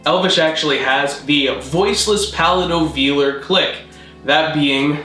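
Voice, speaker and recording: Male explainer narrator, bright tone, dry didactic scripted delivery, some room echo, light music bed. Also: fairly high pitch, unhurried. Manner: deadpan, didactic. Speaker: host, video essayist on constructed languages. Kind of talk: scripted narration, mock-academic lecture.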